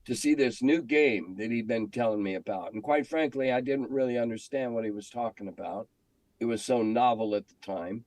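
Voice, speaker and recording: An older American man telling stories casually in an interview, candid and halting, often clearing his throat. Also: mid-range voice, a little mellow, no echo, low-quality recording. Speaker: interview guest, game industry veteran. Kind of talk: casual reminiscing conversation.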